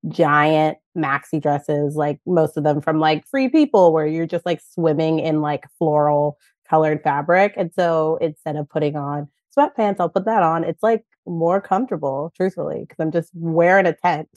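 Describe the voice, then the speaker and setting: A woman with a cold-roughened, raspy voice speaks as a podcast guest, laughing easily and joking about herself. Her voice sits a little low. The sound is dry and close. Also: fairly even intonation, normal speed, hardly any pauses, a little mellow, no echo. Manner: giggly, playful, self-mocking. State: getting over a cold. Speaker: guest, brand founder. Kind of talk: casual interview chat.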